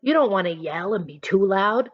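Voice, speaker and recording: A woman teacher reading aloud to children, adding chatty instructive asides in an expressive manner. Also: mid-range voice, normal speed, no echo, highs cut off. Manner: expressive, instructive, acts out short examples.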